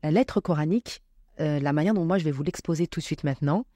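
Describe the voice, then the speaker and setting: A woman speaking as a podcast guest, reflecting on spiritual matters with many pauses and fillers. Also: deep voice, warm tone, dry recording, studio quality.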